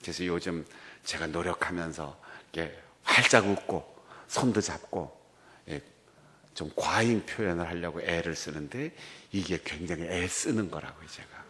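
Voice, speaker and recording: A middle-aged man with a Gangwon Korean accent delivers a sermon. His voice sits somewhat low, and he tells animated stories, slipping into the voices of the people he quotes. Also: moderate pace. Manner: animated storytelling, acting out quoted dialogue. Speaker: pastor.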